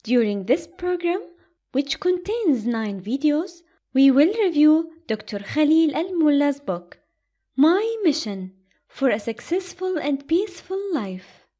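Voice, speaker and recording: A woman narrator with a high, lively voice reads a prepared script in an audiobook style. Her tone is soft-edged and mellow, and she enunciates each phrase with measured care. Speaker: voice-over narrator.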